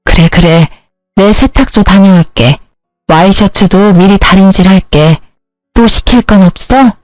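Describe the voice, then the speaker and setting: A woman voicing a gentle, meek elderly mother who speaks in soft, apologetic, soothing words. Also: mid-range voice, a little slow, no echo, faint music behind, natural voice, poor audio.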